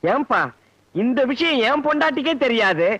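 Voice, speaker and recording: A pompous, eccentric office manager in a 1980s film comedy. His very high, sharp voice sounds dry and close. He fusses and intones his pet phrases over and over. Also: sing-song, moderate pace, no room sound, full character voice, low-quality recording. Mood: fussy. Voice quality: fussy and mock-solemn, repeating stock phrases.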